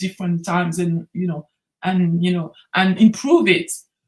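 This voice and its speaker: A woman speaks in a somewhat breathy voice with a French accent. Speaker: writing coach. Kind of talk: live stream interview. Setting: livestream on social media. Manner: halting.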